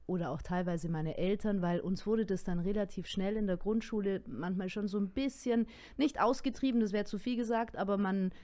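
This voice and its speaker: A woman's voice: mid-range voice, fairly quick, hardly any pauses. A woman in her forties from the Allgäu with a light Allgäu accent, co-hosting a casual podcast chat and telling stories with frequent laughter. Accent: Allgäu German. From Allgäu, southern Germany. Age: 40s. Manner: lively, laughs often, chatty storyteller. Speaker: podcast co-host.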